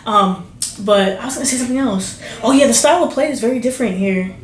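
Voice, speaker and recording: A woman's voice: on the high side, quick pace. Young jersey woman rambling thru an interview, lots of um and like, echoey room. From New Jersey. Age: young adult. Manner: rambling, many fillers and restarts. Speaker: basketball recruit. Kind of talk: casual interview.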